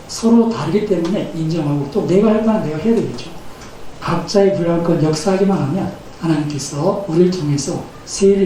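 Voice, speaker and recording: High-voiced pastor in his fifties, echoing church. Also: dark tone. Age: 50s. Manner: earnest preaching with rising emphasis. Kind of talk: sermon. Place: church sanctuary. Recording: echoey church hall, mic at a distance, faint noise.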